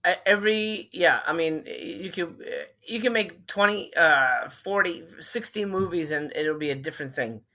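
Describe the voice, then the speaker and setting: A man's voice: a little high, normal speed, hardly any pauses, bright, forceful tone. A middle-aged man from Miami, a film director talking casually as an interview guest, chatty and full of fillers and restarts. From Miami, Florida.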